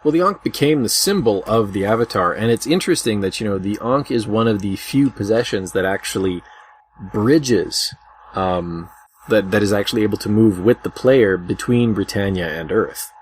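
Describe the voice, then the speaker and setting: A man's voice: fairly low pitch, expressive, normal speed. A man hosting a casual panel discussion, thinking aloud in a hesitant way. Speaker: podcast host. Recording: noisy lo-fi amateur podcast audio.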